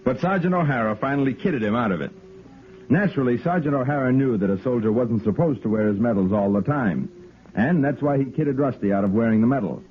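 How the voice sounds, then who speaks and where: An actor playing a steady army lieutenant who narrates reflectively in a 1950s radio drama. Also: male voice, mid-range voice, fast, soft background music, natural voice. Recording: dull old radio broadcast recording.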